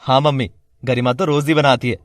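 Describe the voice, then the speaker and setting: A man's voice: medium pitch, fairly even intonation, fairly quick, slight background noise, close to an everyday voice. A man voicing a young husband who speaks firmly and matter-of-factly. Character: young husband, firm and defiant. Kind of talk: Hindi family drama voice acting.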